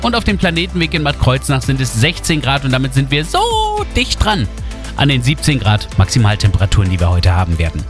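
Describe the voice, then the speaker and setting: A man's voice: mid-range voice, wildly swooping pitch, fairly quick. A male radio host giving traffic and weather reports in a chatty way, speaking directly to his listeners from a studio. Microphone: studio microphone. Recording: music bed under the voice. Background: music bed under the talk.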